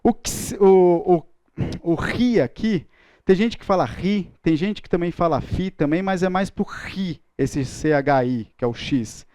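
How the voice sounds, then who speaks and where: A man with a Brazilian Portuguese accent teaches a Bible school class, joking with the room and leading everyone in chanting letters. His voice sits a little high and sounds smooth and clear. The recording is dry and close. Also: animated, measured pace, a little mellow, no echo. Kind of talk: lively classroom lesson.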